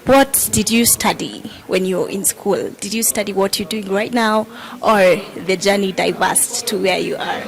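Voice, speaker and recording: A woman's voice: medium pitch, moderate pace, vocal fry, poor audio. A woman hosting a radio interview, asking friendly, chatty questions.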